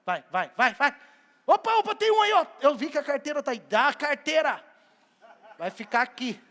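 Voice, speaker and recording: Brisk, teasing Jesus, as a preacher acts him out: a very high male voice that barks playful orders. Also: in a large hall. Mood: urging. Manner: animated, raised voice, playful commands.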